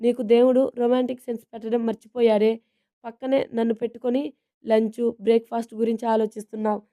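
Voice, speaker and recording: A woman narrator voicing a stern, teasing young husband in a romantic storybook, with a gruff, bossy manner. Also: a little high, level tone, fast, warm tone, natural voice. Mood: scolding.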